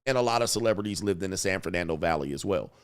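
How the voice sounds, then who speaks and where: A man's voice: sits low, animated, very fast. A middle-aged man from Southern California, hosting a casual livestream and reading viewer super chats with laughing, mocking asides.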